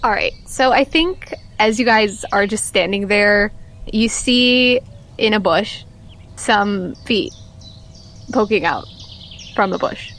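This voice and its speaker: A woman improvising narration as the game master of a tabletop role-playing game, in halting, pieced-together phrases. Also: mid-range voice, fairly bright tone.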